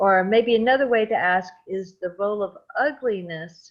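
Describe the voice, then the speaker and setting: The speaker has a Southern US accent and talks at a fairly slow pace. Pitch varies in an ordinary way. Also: woman. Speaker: poet and interviewer. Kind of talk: interview. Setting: video call.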